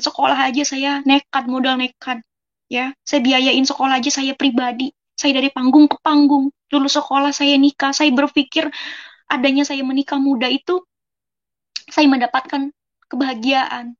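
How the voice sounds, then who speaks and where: A woman's voice: high voice, dull audio. Earnest young woman telling her story. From West Java, Indonesia. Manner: earnest, keeps addressing listeners as friends, acts out dialogue. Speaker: testimony speaker. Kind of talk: personal testimony, casual storytelling.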